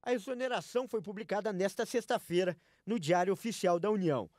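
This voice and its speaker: A man's voice: high-pitched, fairly quick, a little mellow, no room sound, studio quality. A man reading a scripted news voice-over in a formal, clipped way. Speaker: news reporter.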